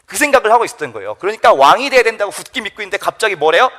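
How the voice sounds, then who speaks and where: Brief: animated male youth pastor, high voice, lots of swing in pitch. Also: very fast. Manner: animated storytelling, acts out characters. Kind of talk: youth sermon. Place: church.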